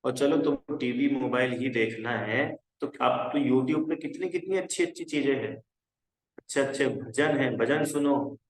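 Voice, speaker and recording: Guy giving a chatty lesson to a youth class, keeps asking if they get it, mid voice, echoey room. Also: medium pitch. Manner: conversational and exhorting, asks the class checking questions. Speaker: religion teacher.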